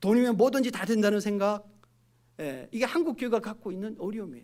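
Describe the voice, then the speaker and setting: This man's voice sits at a high pitch. He speaks at a fairly quick pace. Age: 60s. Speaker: guest pastor. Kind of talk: sermon. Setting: church. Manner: conversational, engaging audience.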